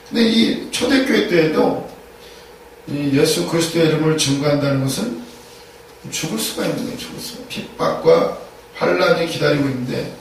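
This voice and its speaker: Male pastor delivering an emphatic sermon, heavy room echo from a distant mic. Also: a little high. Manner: emphatic, repeats key phrases, asks rhetorical questions. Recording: echoey room, distant mic, faint noise.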